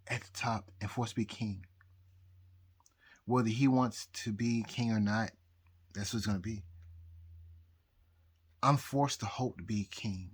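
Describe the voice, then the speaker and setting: A very drunk man rambling casually to viewers, halting and repeating himself as he loses his thread. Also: on the low side, fairly bright tone, breathy edge. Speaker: amateur astrologer vlogger.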